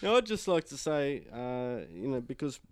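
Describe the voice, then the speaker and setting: A man's voice: medium pitch, big pitch swings, normal speed. Young host, mid-range male voice, crude jokey banter. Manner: joking, crude, banters and teases. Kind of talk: casual podcast chat.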